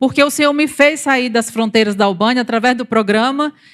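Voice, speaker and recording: On a very clean recording with a silent background, a woman with a Maranhão accent speaks at high pitch in an animated tone with lively intonation. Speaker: missionary. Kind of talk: missionary testimony in church.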